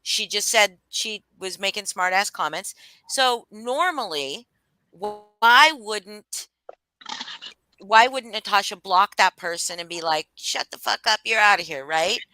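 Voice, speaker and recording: A woman hosting a casual chat, animated and blunt, swearing freely. Her voice is bright and a little tense. It sounds close and dry, with no room behind it. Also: mid-range voice, a little slow, dry recording, low-quality recording. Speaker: host.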